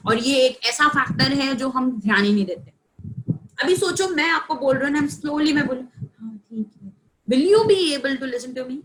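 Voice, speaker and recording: A woman's voice: high voice, a bit bright, low-quality recording. A woman trainer giving an online training session over a headset, explaining in a conversational way, mixing in English and asking the audience questions. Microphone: headphones on a video call.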